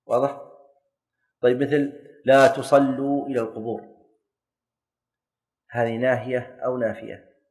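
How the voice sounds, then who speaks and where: A man gives a classroom lesson. He quizzes his students, corrects them and jokes lightly. His voice is mid-pitched. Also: level tone, normal speed, long pauses, darkish tone. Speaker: teacher of Islamic jurisprudence.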